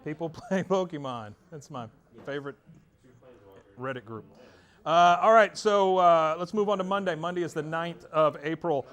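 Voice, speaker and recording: A man's voice: a little high, normal speed, a bit bright. A man hosting a casual chat about upcoming events, joking and teasing as he goes. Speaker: host.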